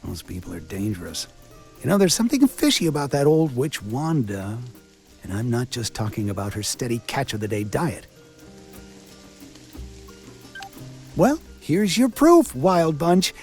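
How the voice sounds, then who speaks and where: A man's voice: mid-range voice, sing-song, moderate pace, darkish tone. A sarcastic country coroner in a video game, who fancies himself a man of science. His delivery is theatrical and full of wisecracks, swooping up and down constantly over background music. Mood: scornful. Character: sarcastic village doctor and coroner, self-styled man of science. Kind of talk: video game character acting.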